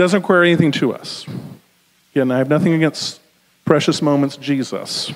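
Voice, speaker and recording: Fairly quick male speech in a slight Southern US accent, fairly high in pitch for a man, with fairly even intonation and long, frequent pauses. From US South. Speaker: pastor and college professor. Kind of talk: sermon. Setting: church.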